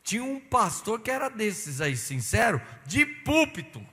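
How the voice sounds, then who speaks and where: A male pastor delivers an animated sermon, telling stories and acting out dialogue. His voice is bright and slightly high. The sound carries a long church hall reverb. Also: unhurried. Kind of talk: sermon with personal anecdotes. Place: church sanctuary.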